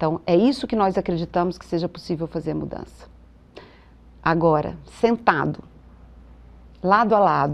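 A woman's fairly low voice with vocal fry at a moderate pace. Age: 50s. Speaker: political candidate and teacher; candidate, teacher. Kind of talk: political interview. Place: studio. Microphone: lapel.

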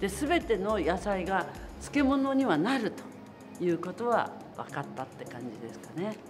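With clear music in the background, a woman at medium pitch makes very wide pitch swings and big swings in loudness. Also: moderate pace. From Japan. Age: 70s. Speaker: actress. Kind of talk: casual interview talk. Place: studio.

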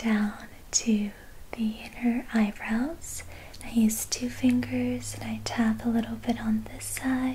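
A soft-spoken woman with a gentle tone and big swings in loudness, at a very slow pace over light background noise. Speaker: wellness guide. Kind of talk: guided tapping tutorial. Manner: soft-spoken, gentle and hushed. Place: home room.

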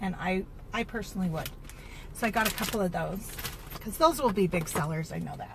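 Her intonation is lively, and the woman's voice has a dry sound with no echo. Noticeable background noise runs underneath. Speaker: product seller. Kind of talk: casual live unboxing chat. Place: car. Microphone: phone near.

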